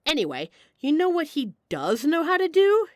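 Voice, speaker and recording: A woman's voice: sits high, wildly swooping pitch, normal speed, no room sound, clean studio sound. A woman playing a brash, charming, apologetic mafia boss in an audio roleplay, with a wry, flirtatious and theatrical delivery. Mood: indignant, sarcastic. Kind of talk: audio roleplay acting addressed to the listener.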